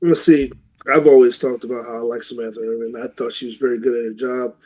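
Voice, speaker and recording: Man, medium pitch, co-host, casual opinion chat, informal, rephrases mid-sentence. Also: level tone, fast, darkish tone.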